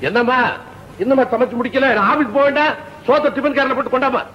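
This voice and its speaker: An actor playing a fussy middle-aged village father in an old film, talking in a hurried, nagging way. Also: high-pitched, lively intonation. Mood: fussing. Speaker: father, post office worker. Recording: dull old film soundtrack with music.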